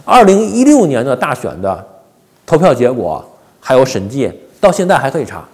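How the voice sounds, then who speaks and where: 一位四十多岁、带北方普通话口音的男性，用口语化的方式做时政评论，常用反问和“对不对”之类的追问。. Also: male voice, medium pitch, huge pitch swings, normal speed. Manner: colloquial, rhetorical questions, frequent tag questions. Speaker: commentator, host of a daily show. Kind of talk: informal political commentary. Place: small indoor home office. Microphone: lapel.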